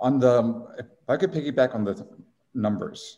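A man with an American accent has a dark, mellow tone. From US-Mexico border, San Diego and Tijuana. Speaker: banker and political campaign volunteer. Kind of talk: casual interview.

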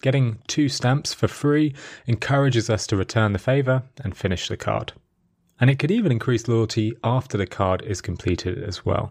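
On a very clean recording with a silent background, a man with an English accent speaks at a moderate pace in a medium pitch, somewhat breathy, with ordinary pitch variation. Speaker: podcast host. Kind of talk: scripted narration.

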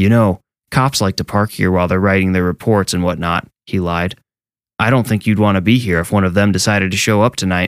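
In a natural reading voice, the speech has fairly even intonation over a quiet background.

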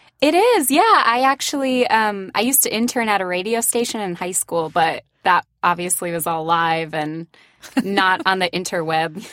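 A woman at medium pitch with an unremarkable speaking voice, lively intonation and a moderate pace. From Minnesota. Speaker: assistant. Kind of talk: casual interview chat.

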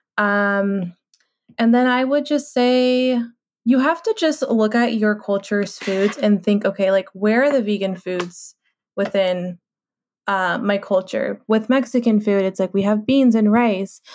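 A woman with an American accent and a fairly high pitch, at a fairly slow pace and very even loudness. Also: ordinary pitch variation, very clean recording, silent background. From San Diego, California. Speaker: food blogger. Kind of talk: podcast interview.

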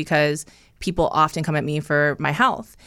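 On a very clean recording with a silent background, a woman speaks at a moderate pace. Her tone is bright and sharp, with an American accent. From Michigan, US Midwest. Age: 30s. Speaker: singer-songwriter and YouTuber. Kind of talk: casual interview chat.

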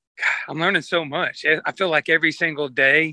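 A man in a Southern US accent with a bright, sharp tone and monotone, flat intonation at a moderate pace, recorded very cleanly with a silent background and a dry, close sound with no echo. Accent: Southern US (Georgia). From US South, Georgia. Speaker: country singer. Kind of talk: casual interview.

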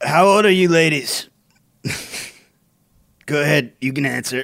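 A man puts on a raspy character voice with a fairly high pitch. He delivers it at a moderate pace. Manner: sleazy, chatting up girls.

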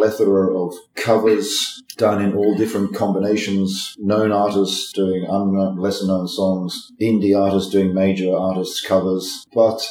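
The speaker has an Australian accent. There is noticeable background noise. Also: man. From Brisbane, Australia. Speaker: musician. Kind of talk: interview.

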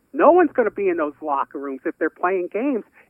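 A man's voice with very wide pitch swings. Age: 60s. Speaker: sports radio host. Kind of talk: casual chat. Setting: phone call. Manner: halting, repeats words.

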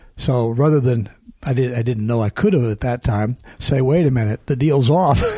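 A man speaks at a moderate pace with medium pitch and ordinary pitch variation. His somewhat breathy voice has a dark, mellow tone in a dry, close sound with no echo. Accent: American. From US Midwest, small-town Illinois. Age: 70s. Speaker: real estate developer and entrepreneur. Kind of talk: casual interview. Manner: halting, repeats words.

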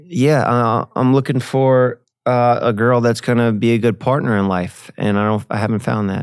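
In a normal speaking voice, a man talks at a moderate pace with medium pitch, fairly even intonation and hardly any pauses, on a very clean recording with a silent background. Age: 30s. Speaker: podcaster and barbershop show host. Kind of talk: casual chat.

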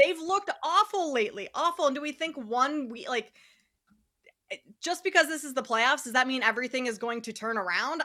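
Projecting a raised voice with an American accent, a woman speaks fast-ish at a high pitch, her bright, sharp tone carrying lively intonation and big swings in loudness. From Minnesota. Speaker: sports betting analyst. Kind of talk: casual chat.

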